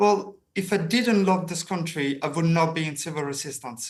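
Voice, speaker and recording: Her voice very deep and low, a woman speaks in a strong Italian accent. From Italy. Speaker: climate and protest activist. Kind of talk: TV interview.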